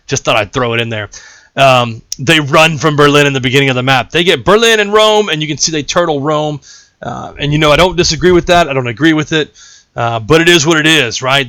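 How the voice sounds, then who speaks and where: A man hosts a casual gameplay tutorial in a fairly high voice with lively swings in pitch. He rambles and jokes as he explains. The sound is dry and close on a desktop mic. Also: no room sound. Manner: animated, rambling, jokey asides. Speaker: gaming channel host.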